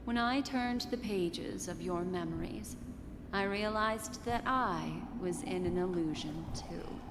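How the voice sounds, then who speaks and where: An actress playing a poised, enigmatic memory keeper in a video game, speaking formally and with composure. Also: female voice, on the low side, slow, long reverb tail, very noisy. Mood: calm, guiding. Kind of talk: scripted game dialogue.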